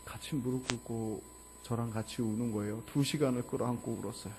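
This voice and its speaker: A man in his forties, a pastor preaching a heartfelt sermon, telling a personal story in a mostly quiet, low voice that swells to loud fervor. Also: steady tone, fairly quick, a little hiss or hum. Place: church sanctuary.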